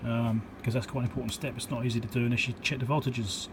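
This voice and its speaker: An electronics repair presenter talking casually as he works at his home workbench, thinking aloud with frequent ums and pauses. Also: mid-range voice, flat delivery, noisy background. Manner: thinks aloud with many ums, counts into the mic.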